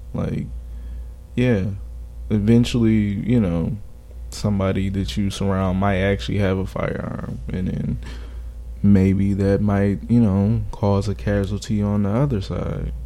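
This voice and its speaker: A man with an American accent and a fairly low pitch speaks at a fairly slow pace, using lively intonation and long, frequent pauses amid noticeable background noise. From Detroit, US Midwest. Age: 20s. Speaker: podcast co-host. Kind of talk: casual chat. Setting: recording late at night at home.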